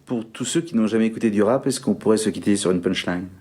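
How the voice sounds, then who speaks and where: A man who conducts a formal face-to-face interview, asking measured, polite questions. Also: lowish voice, mellow, breathy edge.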